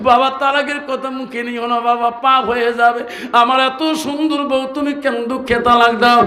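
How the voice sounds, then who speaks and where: A man's voice: very high-pitched, level tone, a little fast, pushed and bright, echoey room. A preacher voicing a tender old mother. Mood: soothing. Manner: soothing, coaxing endearments.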